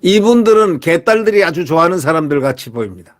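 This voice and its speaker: A man's voice: fairly high pitch, sing-song, fast talker. A man hosting solo political commentary, talking emphatically and firing rhetorical questions at his viewers while repeating his catchphrases.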